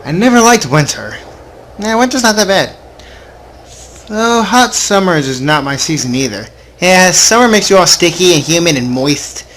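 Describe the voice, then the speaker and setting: A man's voice: sits high, expressive, normal speed, a bit bright, slight background noise, low-quality recording. A young adult man hosting a casual gaming video, reading story text aloud informally with offhand asides and the occasional stumble.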